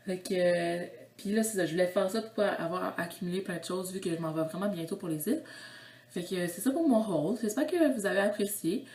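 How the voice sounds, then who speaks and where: A woman's voice: fairly low pitch, fairly quick, a little mellow, reverberant. A young woman with a Quebec French accent, chatting casually in a haul vlog, giggly and rambling with lots of fillers. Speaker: vlogger.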